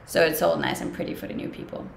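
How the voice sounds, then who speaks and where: This young Danish woman talks fast in a deep, gravelly voice whose pitch swoops wildly, her Danish accent evident. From her home kitchen she runs a casual livestream, answering viewer comments and laughing a great deal. The sound, taken by a webcam at desk distance, is echoey with a faint hum underneath.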